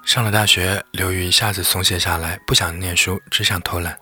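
A man narrating a lighthearted bedtime story in a gentle, lively way. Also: sits low, fairly quick, slightly rough. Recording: faint background music.

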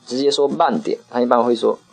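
A man teaching Hokkien in a casual lesson, patiently repeating phrases slowly for his learner. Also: medium pitch, steady tone, creaky, darkish tone, breathy edge, faint music behind, poor audio.

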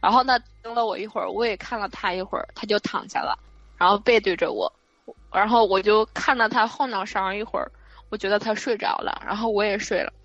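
A woman casually telling a true eerie story over a remote call, in a vivid, animated way with frequent restarts. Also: medium pitch, fairly quick, no room sound, lo-fi sound. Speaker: guest storyteller.

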